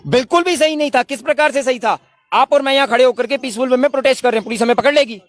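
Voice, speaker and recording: A man's voice: very high voice, very fast, fairly bright tone, no echo. A man making an impassioned, emphatic statement to reporters at a protest, full of indignant rhetorical questions. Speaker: protest spokesman.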